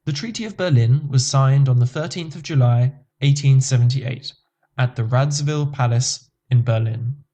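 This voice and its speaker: A man giving a scripted narration of an encyclopedia article in an even, measured reading voice. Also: medium pitch.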